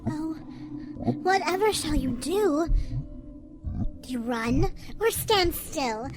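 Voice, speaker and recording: Sly little fantasy bird, very high and slow-talking, teasing, sing-song, for audio drama with music underneath. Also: female voice, expressive. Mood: mischievous. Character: playful, teasing, riddling bird creature of Wonderland.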